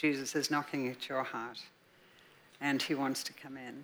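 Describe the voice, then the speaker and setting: The speaker has an English accent and talks at a moderate pace. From England. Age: 80s+. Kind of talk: sermon. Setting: church with audience.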